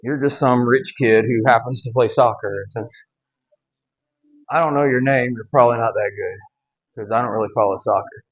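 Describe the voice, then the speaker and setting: A man teaching the Bible in an easygoing, conversational way, sprinkling in wry asides. His voice sits at an ordinary middle pitch. He sounds like he is talking to friends in a home gym rather than preaching from a pulpit. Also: normal speed, low-quality recording.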